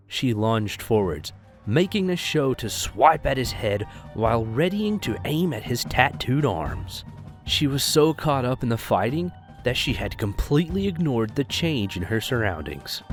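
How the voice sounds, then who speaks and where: Animated male story narrator. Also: mid-range voice. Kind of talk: expressive scripted story narration.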